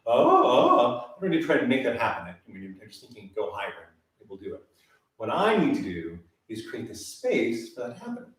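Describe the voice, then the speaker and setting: A man leading a live online vocal warm-up, calmly coaching and demonstrating sighs and sung exercises. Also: lowish voice, quick pace, far from the mic. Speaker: voice teacher. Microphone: camera mic at a distance. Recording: echoey room, voice off-mic.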